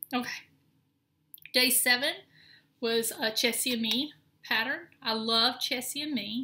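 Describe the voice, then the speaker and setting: A woman with a Southern US accent speaks at a fairly slow pace in a high voice, her intonation fairly even and her pauses long and frequent. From US South, Mississippi. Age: 40s. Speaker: cross-stitch vlogger and online shop owner. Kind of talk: casual show-and-tell video. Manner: casual, frequent filler words. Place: home room. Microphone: webcam.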